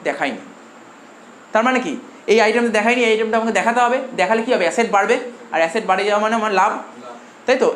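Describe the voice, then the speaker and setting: A man's voice: high-pitched, a bit bright. A man with a Bengali accent teaches a commerce class at breakneck speed, repeating points and firing questions at his students. His voice rings around an echoey room, with a faint hiss of noise behind it. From India. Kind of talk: classroom lecture.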